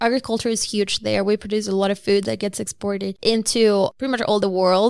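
Flat, monotone intonation comes with a Spanish accent at a fairly quick pace. The recording is very clean, with a silent background. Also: woman, medium pitch for a woman. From Chile, Santiago. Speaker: recent graduate, immigrant. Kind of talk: interview. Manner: halting.

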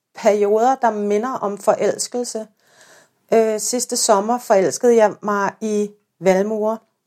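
A woman speaks very slowly in a fairly high voice with a dark, mellow tone and fairly even intonation. The recording is very clean, dry and close, with a silent background and no echo. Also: long, frequent pauses. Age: 30s. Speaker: urban gardener and author. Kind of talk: casual chat. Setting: home kitchen.

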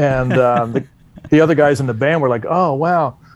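An ordinary speaking voice from a man with an American accent, fairly high in pitch, at a fairly quick pace with ordinary pitch variation. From New Jersey. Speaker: musician and producer. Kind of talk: interview.

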